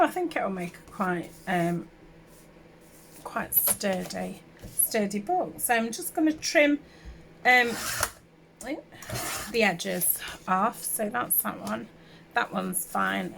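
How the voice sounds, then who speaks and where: A woman who runs a craft channel talks through a crafting project at her table, her voice gravelly and slightly hoarse from a sore throat caused by a summer cold. She rambles in a friendly, unpolished way, full of fillers and self-corrections, in an animated mid-range voice, taking it slowly with long pauses. A faint hiss runs under the home recording.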